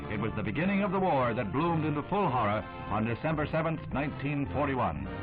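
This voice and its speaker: Over music in the background, a man with an American accent races along at a very fast pace, his fairly high voice swinging very widely in pitch at very even loudness. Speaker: newsreel narrator. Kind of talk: 1960s newsreel narration. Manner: formal, brisk, authoritative.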